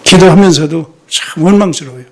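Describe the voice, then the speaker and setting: Brief: male missionary preacher with a high voice, sermon in a church, rhetorical questions and short interjections. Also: fairly quick, creaky. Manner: asks the congregation rhetorical questions, drops in short affirming "yes" interjections. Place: church sanctuary.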